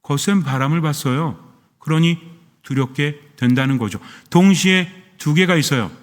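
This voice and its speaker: A man's voice: a little high, moderate pace, big-room sound. A man, a Catholic priest, preaching a sermon who keeps asking his listeners questions and answering them himself.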